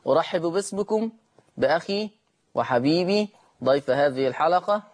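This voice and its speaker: A man hosting a Quran recitation lesson, chanting verse slowly and melodically, then explaining rules at a brisk conversational pace. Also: a little high, lively intonation. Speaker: Quran recitation teacher and host.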